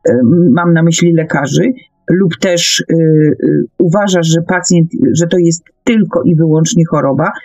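A woman hosting a conversational radio discussion in a halting, hesitant manner with long pauses. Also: lowish voice, dark tone, no room sound, dull audio. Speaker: radio show host.

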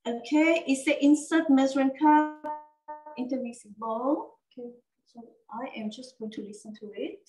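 A woman's voice: fairly high pitch, a little hiss or hum. A woman hosting a cooking demonstration, explaining each step casually with many fillers and frequent "okay?" checks. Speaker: cooking show host. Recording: echoey room, mic at a distance.

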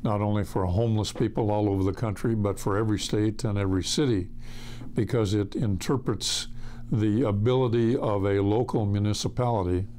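An older man, an attorney, speaking in a deliberate, authoritative manner in an interview. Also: fairly low pitch, fairly even intonation, warm tone, a little hiss or hum.

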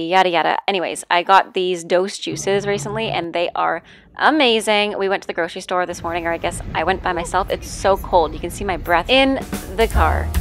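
A young woman narrates a day as a vlogger does, chatty and casual. She speaks at a medium pitch and wanders into little self-mocking asides, with music clearly playing behind her. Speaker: vlogger, ballet dancer and fitness teacher. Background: background music.

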